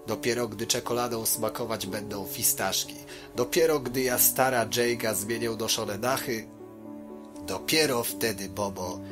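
An angry old witch played by a man intones a menacing rhymed curse. It is storybook acting, with music clearly heard underneath. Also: mid-range voice, lightly acted. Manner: incanting, menacing.

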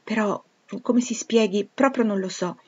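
A woman voicing an elderly widowed housekeeper who speaks in a measured, earnest and warning way. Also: mid-range voice, darkish tone, breathy edge, muffled recording, voice pushed up. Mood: doubtful.

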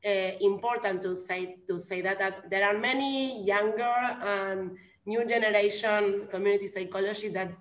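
A young Argentine woman speaks English earnestly over a video call from a room at home, her Argentine Spanish accent audible as she searches for words. As a conference participant, she talks at a moderate pace and medium pitch with few pauses, and the sound is roomy.

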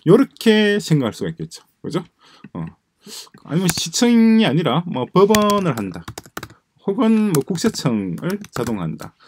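A man's voice: high voice, huge pitch swings, normal speed, a little hiss or hum. A man giving a screen-share lecture on automation, musing aloud, repeating phrases and trailing off into mumbles as he types notes. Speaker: presenter explaining a coding project. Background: keyboard typing.

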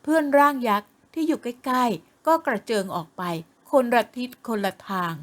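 A woman narrating an audio novel with lively, expressive storytelling. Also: fairly high pitch, normal speed.

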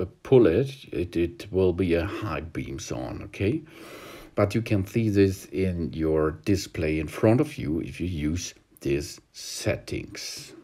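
A car tutorial presenter walks through instructions from inside a car, filmed on a handheld phone, proceeding hesitantly and methodically with many pauses. His voice is low-pitched, a little mellow, with a breathy edge.

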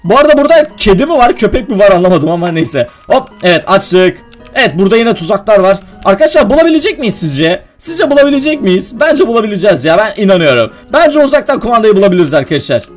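A young man playing a video game and commenting to his viewers, excitable and quick to get worked up when the game goes wrong. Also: high voice, soft background music. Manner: excitable, addresses viewers as friends, gets worked up at traps. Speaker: gaming YouTuber.

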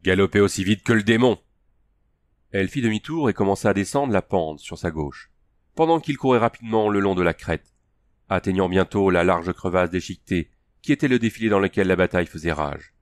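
A man reading a fantasy audiobook aloud in a steady, measured storytelling manner. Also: low-pitched, no room sound. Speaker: audiobook narrator. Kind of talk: scripted narration of a fantasy story.

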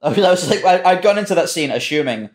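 A man with a fairly high voice and highly animated intonation. He chats casually as part of a roundtable, with an amused, informal way of talking. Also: fast. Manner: amused, laughs through his remarks.

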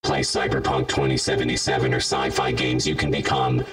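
A man voicing a sci-fi game character through a deep voice changer filter. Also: flat delivery, fairly quick, a bit bright. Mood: demonstrating. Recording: echoey, distant processed sound.

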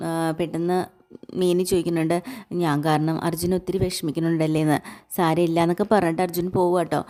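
Lady chatting through a serial recap, lowish mellow voice, reads the lines plainly. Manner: plain retelling, quotes dialogue in her own voice, frequent filler "kettō". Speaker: host retelling a serial story. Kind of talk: casual spoken recap of a serial.

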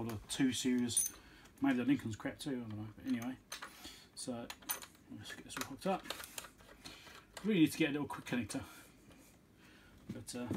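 A medium-pitched man, an electronics repair technician who hosts videos, mutters offhand commentary while working at a small, cluttered indoor workbench. He thinks aloud casually, and there's background noise in the recording.

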